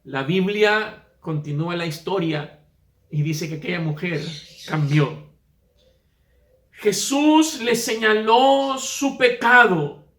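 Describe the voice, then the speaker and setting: A man preaching a sermon, telling a story in an animated, emphatic way. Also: very high-pitched, reverberant.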